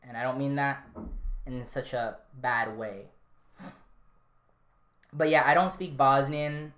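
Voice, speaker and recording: A man's voice: mid-range voice, slow pace. A man hosting a podcast, chatting casually and answering a live chat, rambling with frequent ums and restarts. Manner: relaxed, rambling, many fillers and restarts. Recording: roomy echo.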